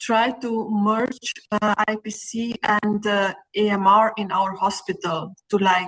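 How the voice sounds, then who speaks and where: At a very slow pace, a woman speaks. Her pitch is fairly high, and her intonation is fairly even. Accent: non-native. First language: not English. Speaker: infection prevention nurse. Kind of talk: webinar presentation. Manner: hesitant, many fillers.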